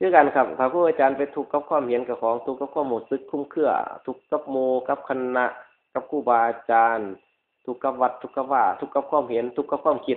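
A man speaks at a medium pitch with an Isan accent. His intonation stays fairly even. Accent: Isan (northeastern Thai). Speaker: Buddhist monk. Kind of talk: dharma talk.

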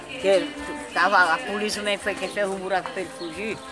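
Clear music plays in the background as a woman speaks. Her pitch is medium and her pace moderate. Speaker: former gravedigger. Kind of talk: interview answer. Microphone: phone near.

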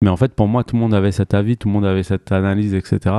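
A man's fairly low-pitched voice, a normal speaking voice. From Paris, France. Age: 30s. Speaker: fashion designer. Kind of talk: interview. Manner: casual, many fillers.

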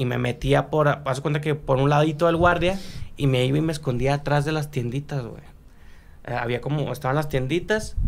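A man with a fairly high pitch and ordinary pitch variation speaks at a fairly quick pace. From northern Mexico (Durango, then Torreón); Durango, Mexico. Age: 20s. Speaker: streamer and show production crew member; streamer. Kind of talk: casual interview. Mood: relaxed, joking storytelling. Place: studio. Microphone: studio mic.

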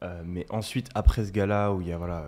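Here is a man with a very deep, low voice. His tone is dark and mellow. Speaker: podcast co-host and online entrepreneur; podcast co-host. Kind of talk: casual chat. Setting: in a private villa. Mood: relaxed, amused storytelling. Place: home room. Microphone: studio mic.

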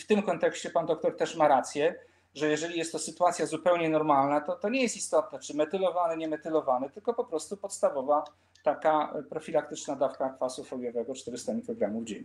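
Speaking at a very fast pace, a man uses lively intonation at a fairly high pitch. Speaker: fertility doctor and professor. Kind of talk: expert Q&A. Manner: repeats words when thinking.

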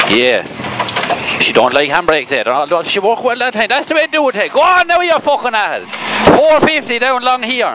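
A man speaks fairly quickly in a strong rural Irish accent. The sound is dry with no echo, under loud background noise. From Ireland. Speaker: rally co-driver. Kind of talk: reading pace notes in a rally car. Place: car. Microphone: helmet.

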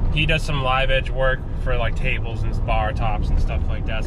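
A man's voice, dry with no echo, against loud background noise. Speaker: homestead vlogger. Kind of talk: casual vlog chat. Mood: relaxed, upbeat. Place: car. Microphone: phone near.

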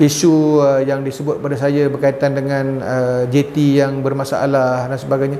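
A man speaks over light background noise. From Johor, Malaysia (Kluang); Johor, Malaysia. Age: young. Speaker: election candidate. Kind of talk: news interview. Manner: hesitant, many fillers. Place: home room. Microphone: lapel.

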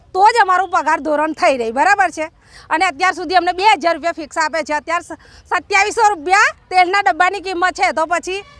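A woman with an extremely high pitch and ordinary pitch variation. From Vadodara district, Gujarat, India. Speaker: community health worker on strike. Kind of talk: street interview.

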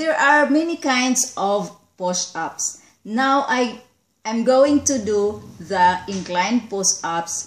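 A woman talks at a very slow pace, with audible echo from the room. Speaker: fitness vlogger. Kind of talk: casual vlog chat. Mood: cheerful, apologetic laughs. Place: home room. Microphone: phone near.

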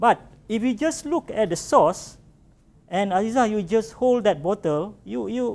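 At a fairly slow pace, a man speaks with a Malaysian accent. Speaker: university lecturer. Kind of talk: lecture. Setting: classroom with students. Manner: animated. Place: classroom.

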